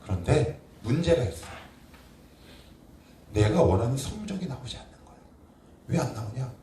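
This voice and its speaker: A male pastor preaching a sermon emphatically, posing rhetorical questions and answering them himself, moving between quiet and forceful delivery. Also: mid-range voice, very animated, moderate pace. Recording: roomy echo, distant mic, faint noise.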